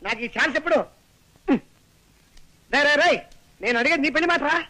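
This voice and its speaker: An actor playing a joking young student who teases his friend in rapid banter, on an old film soundtrack with music behind. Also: very high-pitched, sharp tone. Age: young adult.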